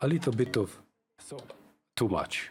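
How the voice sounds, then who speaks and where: This man talks at a moderate pace with a non-native accent. His medium pitch shows ordinary variation. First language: not English. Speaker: YouTuber, video editing tutor. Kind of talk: tutorial. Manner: halting, many pauses.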